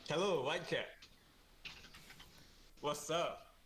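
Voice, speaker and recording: A man voicing a pompous black male cat lord with a snake's tail, giving halting, mock-formal courtly greetings. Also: fairly high pitch, fairly bright tone, a little hiss or hum.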